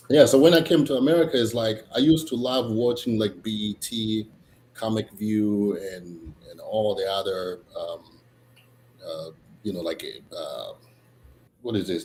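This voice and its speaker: A man's voice: on the low side, a little mellow. Man in an echoey room. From Tanzania, East Africa. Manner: halting, many fillers and restarts. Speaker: guest comedian. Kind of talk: casual interview chat. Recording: echoey room, faint noise.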